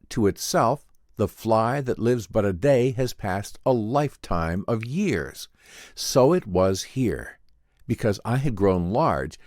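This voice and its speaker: A man's voice: fairly low pitch, a little mellow, dry recording, studio quality. Man voicing a theatrical, despairing stranded space traveler. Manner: theatrical, anguished, awestruck. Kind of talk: dramatic first-person sci-fi audiobook narration, old-time radio drama.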